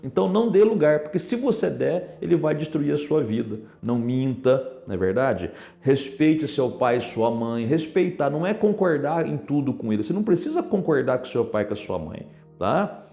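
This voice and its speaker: A man's voice: medium pitch, sing-song, normal speed, gravelly, mellow, reverberant. A male pastor with a Brazilian Portuguese accent, preaching a sermon, full of rhetorical questions and tag questions.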